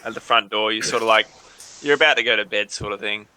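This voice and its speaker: Guy game master narrating off the cuff, very bright forceful voice, casual. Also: fairly low pitch, quick pace, clear, resonant tone, low-quality recording.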